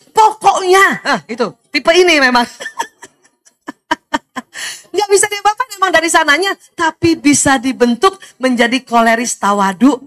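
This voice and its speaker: A middle-aged woman with a high, bright voice gives a lively seminar talk to a room of mothers. She laughs easily and keeps checking in with her listeners through rhetorical questions. Her delivery stays animated throughout. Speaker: lecturer speaking to mothers.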